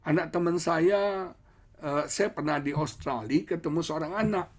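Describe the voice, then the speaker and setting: A male pastor preaching and then praying, with lively emphatic peaks and playful asides to the congregation. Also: fairly high pitch, normal speed. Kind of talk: sermon and prayer. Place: church prayer service.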